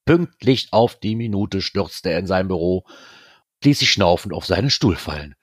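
A man reading a novel aloud in a steady, even storytelling manner. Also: low-pitched, moderate pace, no room sound, clean studio sound. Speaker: reader.

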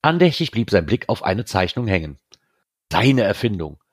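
Man reading a novel aloud, lowish voice, steady, dry close sound. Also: moderate pace, slightly rough, no room sound. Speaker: reader.

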